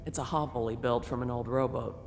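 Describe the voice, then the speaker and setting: An actor playing a scornful, gossipy servant talking in a casual, incredulous way. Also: male voice, mid-range voice, steady tone, brisk, slight background noise, lightly acted. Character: gossipy, scornful male servant grumbling about a boatman. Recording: reverberant room with music.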